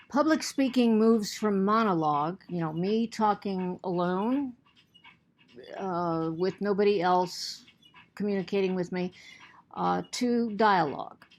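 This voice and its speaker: Hiccuping through a recorded lesson, an earnest female teacher keeps restarting and repeating words as she lectures her students, speaking in a mid-range voice.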